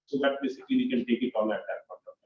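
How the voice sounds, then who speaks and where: A man with an Indian accent answering questions as an executive on an earnings call, speaking haltingly and repeating his phrases. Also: mid-range voice, fairly even intonation. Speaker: company executive. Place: conference call. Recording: muffled, distant, echoey conference call.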